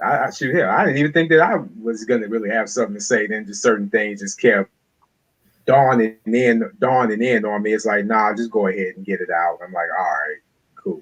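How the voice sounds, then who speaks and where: Speaking at a fairly quick pace, a man with a medium pitch and ordinary pitch variation talks in a Southern US accent. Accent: southern twang. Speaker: streamer hosting a discussion. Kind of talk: casual chat.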